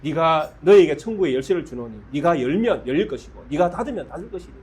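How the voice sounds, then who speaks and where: A male pastor preaching a sermon, asking rhetorical questions and swinging from loud stresses to hushed lines. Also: fairly high pitch, lively intonation, fast talker, a little hiss or hum.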